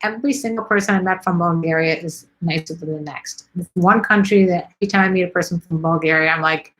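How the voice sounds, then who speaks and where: A woman's voice: lowish voice, quick pace, fairly bright tone, poor audio. A middle-aged woman from Chicago hosts a live stream, chatting casually and rambling with lots of ums as she reads viewer comments. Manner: chatty, rambling, many ums and let's sees.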